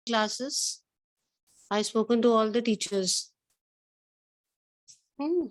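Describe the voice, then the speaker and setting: A woman with a South Asian accent and a slightly high voice speaks as a teacher to her class. She is earnest and maternal as she admonishes, often repeating her points and mixing Hindi phrases into her English. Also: extremely slow. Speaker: biology teacher addressing an online or classroom class. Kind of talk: lecturing and counselling students.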